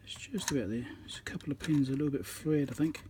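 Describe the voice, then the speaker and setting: A man talks casually through a hands-on repair demonstration at a workbench, in a mid-pitched voice. He speaks haltingly, partly muttering to himself as he concentrates. It is picked up by a phone with faint room noise behind him. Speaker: electronics repairer, channel host. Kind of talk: casual hands-on demonstration commentary while working. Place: indoor electronics workbench. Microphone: phone on a tripod above the work. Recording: noisy room recording on a phone.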